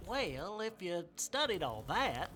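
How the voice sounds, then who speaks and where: A woman's voice: fairly low pitch, sing-song, slow pace, a bit bright, a little hiss or hum, full character voice. An actress playing a curious young woman with rustic, homespun speech.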